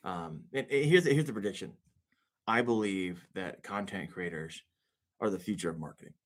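A man's voice: sits low, moderate pace. A man who is a guest on a casual podcast, talking with confident, emphatic opinions.

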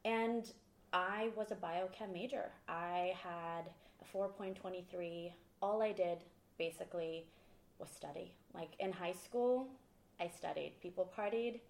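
A woman from Sweden, a podcast guest, telling her story in a lively, candid way. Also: fairly low pitch, a little slow, reverberant. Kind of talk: casual interview talk.

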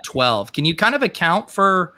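A man's voice: high voice, big pitch swings, moderate pace, pushed and bright. A man in his thirties hosting a casual podcast, joking and teasing his guests. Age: 30s. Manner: joking, teasing, laughs often. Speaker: podcast host.

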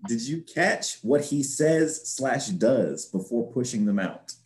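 A man's voice: medium pitch, animated, takes it slowly, darkish tone. Playful man with a roomy echo. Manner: playful, teasing. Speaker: podcast co-host. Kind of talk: casual chat. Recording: roomy echoey sound.

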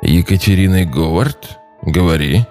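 Man playing a deep gravelly archbishop. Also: moderate pace, dark tone, faint music behind. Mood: stern. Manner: terse, probing questions. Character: male archbishop, grave and commanding. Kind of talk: audio drama scene.

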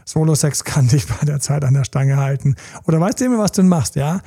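A man's voice: a little high, brisk, slightly rough. A man speaking as a sex coach in a conversational advice talk, emphatic and repetitive, often acting out quoted dialogue. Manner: emphatic, repeats key phrases; acts out quoted dialogue in lively voices.

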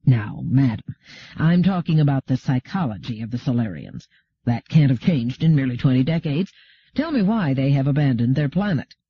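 Narrator doing a low, wry bearded spacer, husky, lo-fi. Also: male voice, expressive, normal speed, no room sound. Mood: probing. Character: wry bearded male space captain, calm. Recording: dull lo-fi recording.

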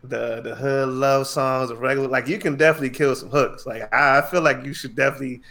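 A male co-host giving his opinions in a casual, measured way. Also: medium pitch, fairly even intonation, vocal fry, pushed and bright. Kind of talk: casual conversation.

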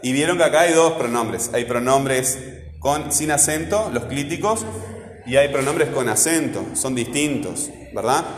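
A man's voice: medium pitch, unhurried. A man with a Rioplatense Spanish accent teaching a grammar class, emphatic, repeating his points and checking in with "right?". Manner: emphatic, repeats words, keeps asking "right?". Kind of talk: classroom lecture. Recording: echoey room with long reverb, faint noise.

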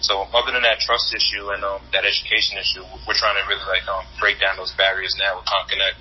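A man's voice: low-pitched, flat delivery, quick pace, breathy edge. Man on a muffled speakerphone line. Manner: loose, rambling, repeats and restarts phrases. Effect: heard over a phone on speaker. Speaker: founder of a job app for the formerly incarcerated. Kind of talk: casual phone interview answers.

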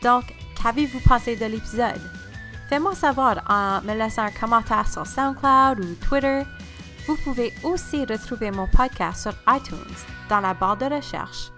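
A woman's voice: fairly high pitch, unhurried, music in the background. A woman who hosts a podcast and works as an educator, asking reflective questions and encouraging her guest. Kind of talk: podcast interview.

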